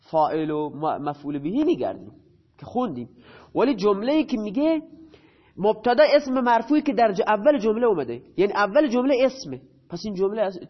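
A man teaching a grammar lesson. He asks his own questions and answers them, and he repeats key terms slowly. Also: high voice, breathy edge. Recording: dull lo-fi recording.

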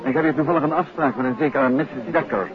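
An actor playing a courteous, inquisitive gentleman author and detective, polite and composed in a 1950s radio drama. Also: medium pitch, quick pace, a crowd in the background, lightly acted. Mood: brisk, alert. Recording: noisy, dull 1950s radio recording.

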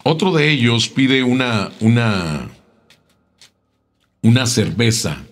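A man telling a local tale in a casual, unhurried way, often repeating words as he goes. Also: medium pitch, very animated. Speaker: storyteller.

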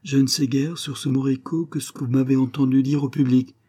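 A man reading aloud voices a calm young gypsy woman who works at a fairground, speaking plainly and earnestly. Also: mid-range voice, brisk, slightly rough, voice pushed up, natural voice.

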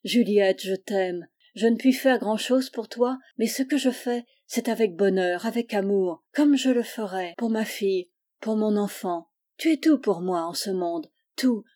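A woman's voice: mid-range voice, measured pace, hardly any pauses, dark tone, natural voice. A woman voicing a firm, loving older sister in a storybook reading. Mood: tender. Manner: firm and tender.

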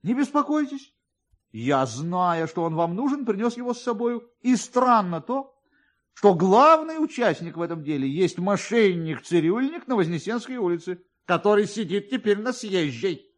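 Man acting a high-voiced, fawning police officer. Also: sing-song, normal speed. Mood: reassuring, officious. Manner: obsequious, rambling, hinting for money. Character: fawning, talkative, short-sighted male police officer. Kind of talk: literary radio storytelling.

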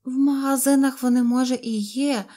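A level-headed little fairy-tale girl, voiced by a woman reader. She speaks frankly with a doubtful edge, a touch higher than the narration. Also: steady tone, moderate pace, warm tone. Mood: skeptical.

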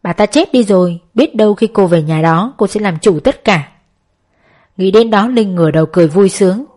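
A woman narrating a novel as an audiobook in a steady storytelling manner. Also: mid-range voice, moderate pace.

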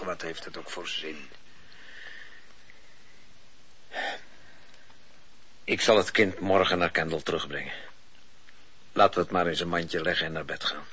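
A man playing an exasperated, desperate husband in a radio drama, halting and indignant. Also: low-pitched, bright, forceful tone. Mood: bitter. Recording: muffled, noisy old radio recording.

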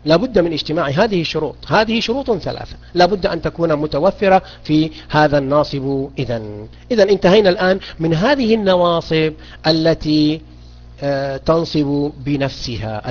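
A man's voice: fairly high pitch, lively intonation, brisk. Man teaching grammar, lo-fi audio. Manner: questioning, repeats points, urges students. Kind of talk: online grammar lesson. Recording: dull lo-fi audio.

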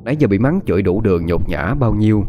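A man's voice: on the low side, expressive, fast talker, warm tone, a little hiss or hum. A man reading a dramatic story aloud as narrator. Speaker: audiobook narrator.

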